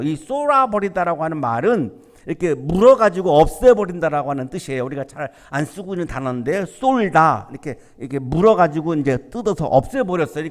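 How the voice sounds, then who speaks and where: A man preaching a sermon as pastor, talking conversationally and asking rhetorical questions. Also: a little high. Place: university church sanctuary. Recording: church hall reverb.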